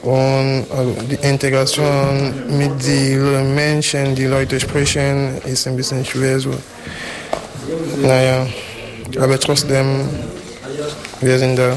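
A man from Cameroon speaking measured, non-native German with pauses in an interview. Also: mid-range voice, completely flat delivery, low-quality recording. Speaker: trainee applicant. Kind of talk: interview statement. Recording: crowd chatter behind.

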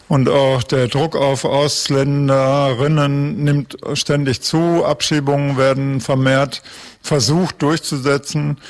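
A man's voice: medium pitch, gravelly. A man from a local association explaining its work fluently and matter-of-factly. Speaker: association staff member. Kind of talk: explanatory interview.

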